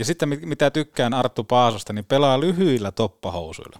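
A man with a plain, everyday voice, lively intonation, and a moderate pace, in a dry, close sound with no echo. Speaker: podcast host. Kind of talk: casual chat. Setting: studio.

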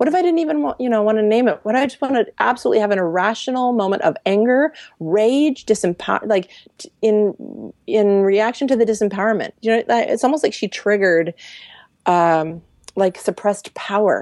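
Lively intonation and very even loudness in an ordinary speaking voice, at a fairly quick pace, with a dry, close sound and no echo. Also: woman, fairly high pitch for a woman. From Vancouver, Canada. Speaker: empowerment coach and speaker. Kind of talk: casual interview chat.

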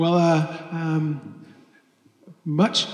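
A man talks. Background noise is noticeable throughout. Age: 50s. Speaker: artist working with robotics. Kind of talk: onstage conversation. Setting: stage with live audience.

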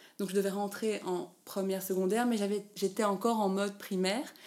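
Her tone is dark and mellow. The woman talks at a medium pitch with fairly even intonation. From Belgium. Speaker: fashion blogger and business lawyer. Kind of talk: interview conversation. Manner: halting, many fillers and repetitions.

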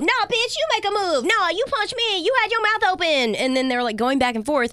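With very wide pitch swings, a woman talks fairly quickly as noticeable background noise continues. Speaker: podcast host. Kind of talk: casual chat.

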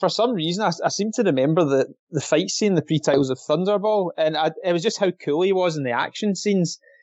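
A man in a plain, everyday voice talks at a fairly quick pace with lively intonation. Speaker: podcast co-host. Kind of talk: casual chat.

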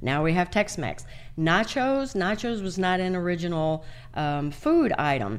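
A woman with an American accent speaks at a fairly slow pace. Her voice sits fairly low, with very wide pitch swings. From Baja California, Mexico. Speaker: chef. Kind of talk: casual interview. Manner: halting.

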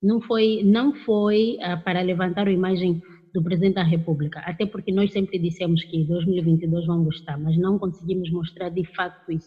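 A woman speaks at a fairly low pitch in a somewhat breathy voice. She takes hardly any pauses. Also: fairly even intonation, moderate pace. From Angola, Lobito. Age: 20s. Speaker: petroleum engineer and conservationist. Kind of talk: panel discussion.

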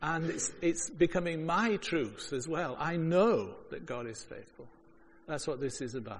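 A man's fairly high voice with vocal fry, lively intonation, big swings in loudness and a fairly slow pace. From northern England, Yorkshire. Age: 60s. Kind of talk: teaching talk on the Psalms to an audience. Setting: conference hall with audience.

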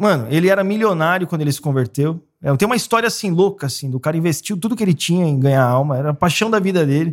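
A man talks at a very fast pace and high pitch with lively intonation. The recording is very clean, with a silent background. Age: 20s. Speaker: street missionary. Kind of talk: casual chat.

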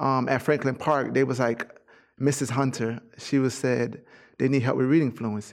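On a very clean recording with a silent background, a man with an American accent talks at a moderate pace in an unremarkable speaking voice, medium in pitch with fairly even intonation. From Fort Myers, Florida. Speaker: nonprofit founder and basketball trainer. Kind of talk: interview.

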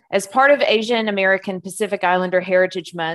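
A woman with an unremarkable speaking voice, a medium pitch, ordinary pitch variation, and a moderate pace. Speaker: lawyer and panel moderator. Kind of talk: panel discussion.

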